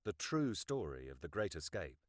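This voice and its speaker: A middle-aged man narrates nonfiction with a low-pitched voice and very varied intonation. His delivery is formal, articulate and measured. The sound is close and dry, with hardly any room in it. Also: very animated, no echo. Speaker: audiobook narrator. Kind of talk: scripted nonfiction audiobook narration.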